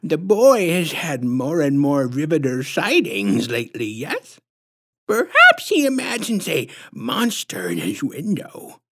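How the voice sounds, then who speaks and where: A man voicing a huge, creepy, patronizing woman in a storybook, with a squishy-throated lisp and syrupy, drawn-out baby talk. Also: a little high, wildly swooping pitch, sharp tone, a little hiss or hum, voice pushed up, heavily acted. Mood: sly, menacing.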